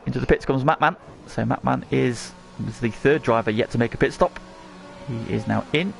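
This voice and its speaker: A man's voice: mid-range voice, moderate pace, gravelly, a little hiss or hum. A man working as lead motorsport commentator on a race, calling the action in short present-tense phrases.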